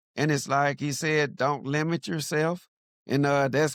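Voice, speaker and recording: A man with a Southeast Texas accent speaks at a fairly high pitch. The recording is very clean with a silent background and a dry, close sound with no echo. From US South, Orange, Texas. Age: 60s. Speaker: former professional baseball player. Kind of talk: interview.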